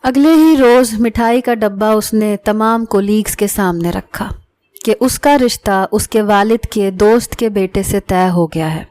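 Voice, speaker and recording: A woman narrating an emotional family story in the first person, in a steady, earnest storyteller manner. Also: medium pitch, dry recording.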